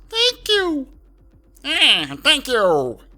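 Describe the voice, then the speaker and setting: A put-on character voice delivers the lines at a high pitch. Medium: game stream.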